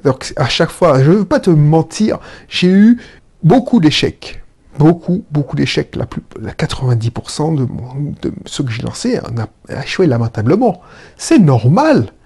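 A man talking as an entrepreneur in a casual solo monologue, animated, often restarting and correcting himself. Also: a little high, normal speed, husky. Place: indoor room with air conditioning. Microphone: own microphones.

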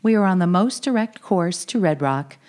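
A woman voicing a calm, overly smooth, bossy car AI that speaks in an even, polite, machine-like way in a comedy sketch. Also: lowish voice, normal speed, natural voice. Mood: smooth, robotic. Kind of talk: comedy radio sketch acting.

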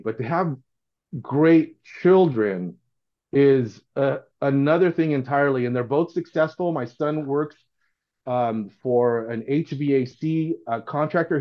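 A middle-aged man, a podcast guest talking casually and earnestly, often restarting his sentences. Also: mid-range voice. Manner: earnest, rambling, with frequent restarts. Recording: dull, lo-fi sound.

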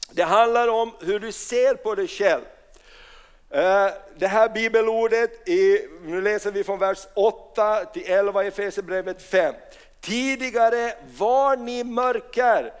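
Finland-Swedish male preacher, high clear resonant voice, fervent sermon full of amens and hallelujahs. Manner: fervent, punctuated with amen and hallelujah; reads scripture slowly and deliberately.

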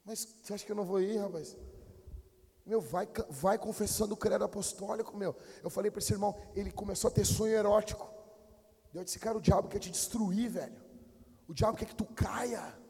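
A Brazilian pastor with a high, ringing voice preaches in blunt street slang. He drops to a low mutter and then bursts into shouting. His voice carries a long echo through the church hall. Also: brisk, breathy edge. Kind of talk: preaching a sermon.

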